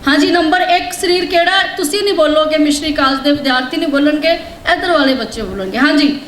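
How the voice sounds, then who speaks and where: High-voiced woman lecturing in an echoey hall. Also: fast talker, a little hiss or hum. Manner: quizzes the audience and urges them to answer louder. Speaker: guest speaker addressing students. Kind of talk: lecture with call-and-response. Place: large hall at a religious college. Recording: echoey hall with faint ambience.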